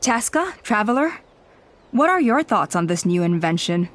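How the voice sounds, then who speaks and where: An actress playing a calm, authoritative tribal elder in a video game, poised and businesslike. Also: female voice, mid-range voice, moderate pace, lightly acted. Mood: commanding.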